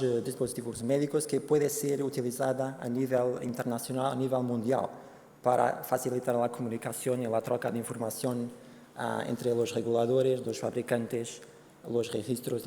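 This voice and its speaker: A Portuguese man giving a conference presentation in Spanish with a Portuguese accent, speaking haltingly with many fillers and restarts. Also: medium pitch, warm tone. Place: conference hall. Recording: hall reverb, faint background noise.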